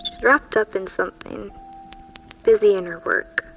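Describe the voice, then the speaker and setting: A woman playing a haunted train passenger in an audio drama, recounting her dread in a measured, brooding, literary way with lingering pauses. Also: medium pitch, creaky, fairly bright tone, low-quality recording. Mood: wistful, eerie. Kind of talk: scripted audio drama monologue. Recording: music behind the voice.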